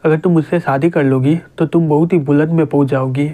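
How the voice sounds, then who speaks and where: A man's voice: on the high side, fairly quick, close to an everyday voice. A man reading as a scheming old grandmother. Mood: urging. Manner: plain, flat storybook reading.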